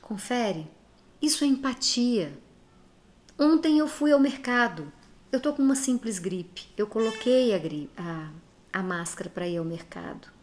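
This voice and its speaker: A woman's voice: on the high side, animated, measured pace. Earnest Brazilian woman talking directly to listeners. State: has a cold. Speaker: speaker giving reflections to followers. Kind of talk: direct-address motivational talk.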